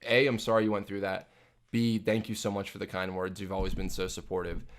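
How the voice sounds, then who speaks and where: Young male streamer, very deep voice, casual rambling chat-reading host. Loose and self-interrupting. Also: flat delivery, fairly quick. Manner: rambling, reads chat questions aloud, frequent ums and restarts. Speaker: livestream host answering chat. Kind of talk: casual live Q&A. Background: jazz playing from a phone.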